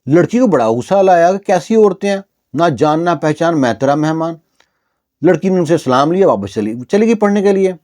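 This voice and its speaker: Mellow-voiced male storyteller. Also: on the high side, lively intonation. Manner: conversational, repeats fillers. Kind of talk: spoken storytelling narration.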